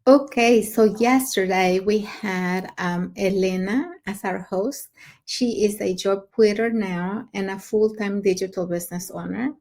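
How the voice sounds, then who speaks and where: A woman from Mexico co-hosts in a medium-pitched voice, cheerful as she announces names and items one after another. Her tone stays casual throughout. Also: unhurried, darkish tone. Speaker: podcast co-host. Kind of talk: casual podcast talk.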